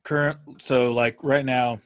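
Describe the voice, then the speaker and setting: A man speaks as a guest in a casual interview. His mid-pitched voice moves in stops and starts, circling a thought before settling on it. The recording is dry, without audible room. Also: fairly even intonation, clean tone, no room sound. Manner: halting, circles a topic before landing on it. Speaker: podcast guest, writer and podcaster.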